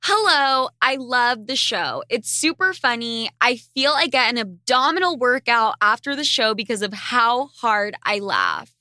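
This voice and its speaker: A woman's voice: on the high side, sing-song, measured pace, hardly any pauses, pushed and bright, no echo, studio quality. A young woman hosting a casual podcast, reading out listener questions and answering bluntly, with crude jokes and frequent laughter. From Argentine family. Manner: blunt, crude, laughs often while talking. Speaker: podcast host.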